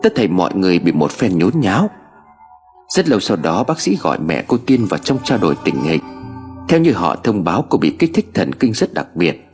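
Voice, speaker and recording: A man narrating a dramatic story in an expressive way. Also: low-pitched, brisk, faint music behind.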